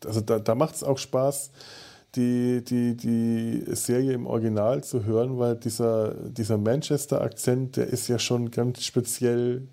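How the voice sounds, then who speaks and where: A man's voice: medium pitch, level tone, measured pace, creaky, mellow. A man co-hosting a podcast, talking casually with many fillers and restarts. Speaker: podcast host.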